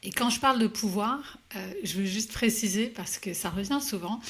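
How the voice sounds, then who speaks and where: A woman coach as an interview guest, telling her story hesitantly with many pauses and restarts. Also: medium pitch. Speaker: executive coach, podcast guest. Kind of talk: conversational interview answers.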